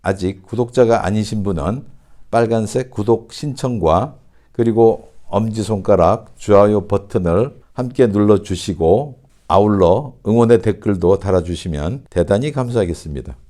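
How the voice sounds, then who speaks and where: A man teaching an online English pronunciation lesson, speaking slowly and deliberately and repeating example sentences. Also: lowish voice, warm tone.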